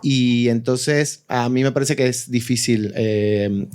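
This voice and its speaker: A man's voice: medium pitch, slow pace, darkish tone, clear, resonant tone. Man giving opinions on a panel. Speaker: panelist, audio fiction creator. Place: live event with audience.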